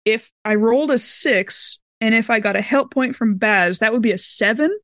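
A woman playing a tabletop roleplaying game, chatting casually and expressively as she thinks her moves out loud. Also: on the high side, normal speed, no room sound. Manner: expressive, exclaiming, thinks aloud.

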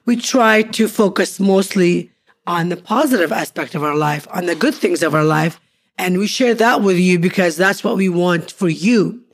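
A woman's voice: on the low side, moderate pace. A woman in her forties co-hosting a casual couple's podcast, earnest and upbeat, stacking her points in lists. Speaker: podcast co-host.

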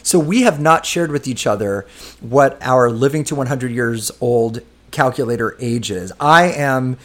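A man's voice: mid-range voice, unhurried. A man in his fifties hosting a casual podcast chat, leading the talk in an easygoing, chatty way. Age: 50s. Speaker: podcast host.

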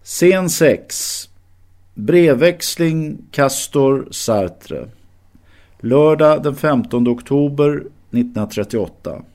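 A man's voice: mid-range voice, animated, darkish tone. A man reading scene announcements as the narrator of an audio drama in a scripted style.

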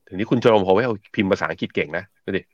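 A man co-hosting a morning markets show, explaining charts and reading viewer comments in a relaxed, chatty way. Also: deep voice, racing, no echo, lo-fi sound. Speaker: co-host and market analyst.

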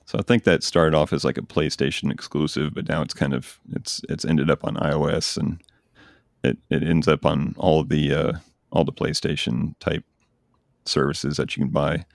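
A man's voice: extremely low pitch, steady tone, moderate pace, creaky, no echo, studio quality. A man hosting a podcast, chatting casually and enthusiastically about games he recommends. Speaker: podcast host. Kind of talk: casual chat.

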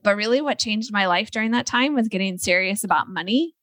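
A woman entrepreneur, a guest on the show, talking in an energetic, informal, motivational way. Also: medium pitch, brisk, no echo, studio quality. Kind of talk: casual interview talk.

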